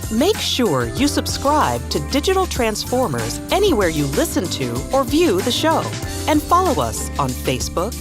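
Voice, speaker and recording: Lively woman announcer over music. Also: fairly high pitch, moderate pace, hardly any pauses. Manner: upbeat, read from a script. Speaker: show announcer. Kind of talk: scripted promo outro.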